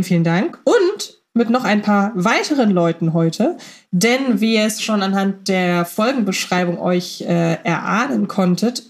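Podcast-Moderatorin mit mittlerer Stimmlage. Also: female voice, mid-range voice. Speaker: podcast host.

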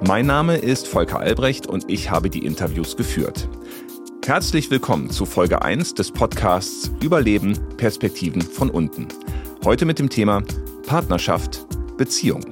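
A man hosting a podcast, giving calm, measured scripted introductions. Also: fairly low pitch. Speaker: podcast host and interviewer. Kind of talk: scripted narration. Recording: music bed under the voice.

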